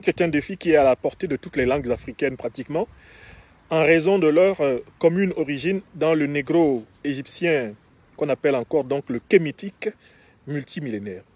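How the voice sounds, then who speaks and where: Measured higher-voiced man speaking French. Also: a little mellow, slightly rough, no room sound. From Cameroon. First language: Bassa. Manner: measured and deliberate, with repeated phrases; chanting recitation with a sung refrain in the poem. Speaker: philosopher speaking to his channel audience. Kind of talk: spoken address, then reciting a poem.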